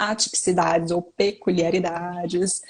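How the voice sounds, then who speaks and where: This woman speaks with a Minas Gerais accent and a fairly low pitch. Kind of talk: live interview conversation. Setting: online live stream.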